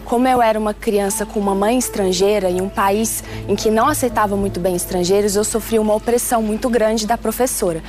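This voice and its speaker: A woman in her twenties, from Switzerland, telling her personal testimony in an earnest, measured way. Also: medium pitch, steady tone. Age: 20s. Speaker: testimony speaker. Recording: soft music underneath.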